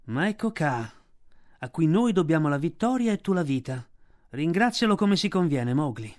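A man's voice: fairly high pitch, very animated, moderate pace, darkish tone. A man voicing a proud female panther who speaks curtly and dryly. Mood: stern. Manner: curt and dry.

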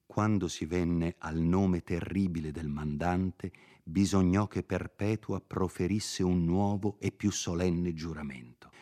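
Deep, slow male narrator. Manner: measured, expressive reading. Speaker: reader. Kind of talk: scripted narration of a classic novel.

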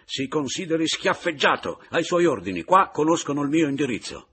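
A man reading an audiobook, voicing a proud, hot-tempered male painter who speaks loud and threatening. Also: deep voice, very animated, unhurried, husky, full character voice.

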